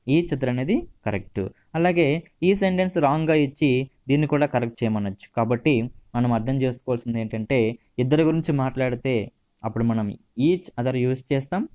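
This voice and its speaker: A man with a Telugu accent teaching English grammar, reading each example sentence slowly before explaining it. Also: mid-range voice, mellow.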